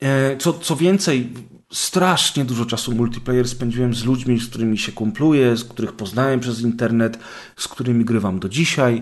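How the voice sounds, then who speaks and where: At a moderate pace, a man talks in an unremarkable speaking voice, medium in pitch with ordinary pitch variation. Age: 30s. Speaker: podcast guest, gamer. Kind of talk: casual chat.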